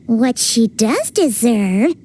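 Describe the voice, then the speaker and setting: A woman voicing a tiny, chatty, cheeky fairy companion with a squeaky childlike voice in an anime-style video game. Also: very animated, takes it slowly, warm tone, a little hiss or hum. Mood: miffed, sulky. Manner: bubbly, refers to self in third person. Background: background music.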